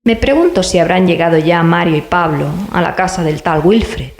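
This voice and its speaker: A woman's voice: lowish voice, normal speed, reverberant, lightly acted. A woman with a Spain Spanish accent playing a pensive young researcher of occult mysteries in a scripted audio drama monologue. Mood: wry, worried. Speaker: character narrator in an audio drama.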